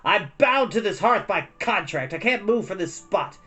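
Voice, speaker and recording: A man voicing a cunning fire demon in a storybook, with a cracked, whining voice and a brisk, wheedling manner. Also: sits high, expressive, pushed and bright, soft background music, pitched above the performer's own voice. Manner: brisk, whiny, persuasive.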